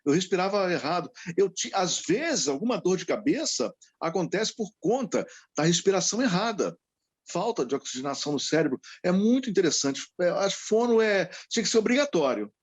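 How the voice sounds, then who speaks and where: Man, carioca accent, radio announcer, slightly high voice, reflective, repeats himself. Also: big pitch swings, fairly quick, slightly rough. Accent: Carioca Portuguese. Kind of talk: casual panel chat.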